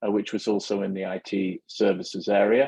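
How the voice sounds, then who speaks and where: A man with a British accent, fairly low in pitch, at a moderate pace. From UK. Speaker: company CEO. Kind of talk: podcast interview. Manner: halting, many fillers.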